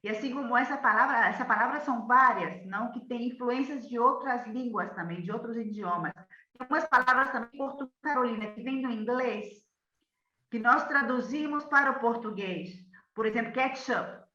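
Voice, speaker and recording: A woman with a bright, fairly high voice explains words by giving examples. The sound is dull and roomy, with an echo around her. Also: fairly quick. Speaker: language teacher. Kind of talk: casual talk on language.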